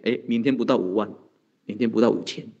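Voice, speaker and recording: A man's voice: fairly low pitch, fast, darkish tone, highs cut off. A man, a Buddhist monk giving a conversational dharma talk, asking rhetorical questions and answering them, chuckling often. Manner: chuckles often, heavy use of sentence-end particles.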